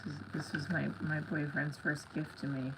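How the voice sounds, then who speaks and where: A woman's voice: low-pitched, little pitch movement, normal speed. Stuffy-nosed woman rambling, noisy recording. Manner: rambling, candid, blunt. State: congested. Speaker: live stream host, comedy creator and performer. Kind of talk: casual live stream chat. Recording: clearly noisy home recording with clicks.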